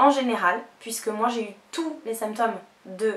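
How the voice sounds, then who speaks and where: A woman speaks at a moderate pace in a fairly high pitch, with noticeable background noise behind her. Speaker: YouTuber. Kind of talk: vlog. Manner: hesitant, many fillers.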